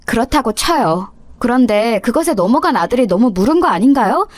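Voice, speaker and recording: A woman's voice: fairly high pitch, lively intonation, fairly quick, no echo, soft background music, close to an everyday voice. A woman voicing a young, insolent daughter-in-law who talks back with sarcastic, mock-polite cruelty, for a radio story drama.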